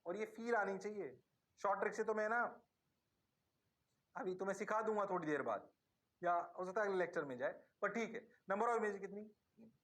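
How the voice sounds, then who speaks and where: A man teaching in a high, bright voice that rings with energy. He coaxes and teases his students, firing the same question at them over and over until they answer. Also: a little fast. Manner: animated, coaxing, repeats questions to the class; playful. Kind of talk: classroom lecture.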